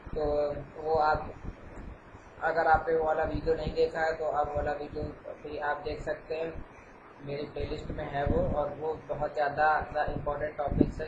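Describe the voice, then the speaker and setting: A man teaches an exam-prep lecture in a rather flat, steady voice, pausing often to check in with his students. His voice bounces around a bare room. Steady hiss and a dull, muffled tone sit under it. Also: a little high. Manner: explains patiently, with frequent "theek hai" check-ins. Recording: echoey, dull, noisy room.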